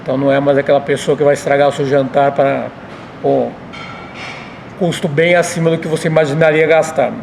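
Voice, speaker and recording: A middle-aged man answers interview questions as a restaurant owner, explaining things in a measured way, over faint room noise. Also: fairly high pitch, level tone, creaky, darkish tone, low-quality recording.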